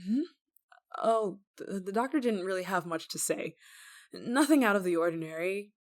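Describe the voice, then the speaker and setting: A woman playing a desperate, guilt-ridden young lover in an intimate audio roleplay, tender and anxious, with halting, stammering delivery. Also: mid-range voice, lively intonation, lightly acted. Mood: gentle, uneasy. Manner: halting, stammering, emotionally fragile.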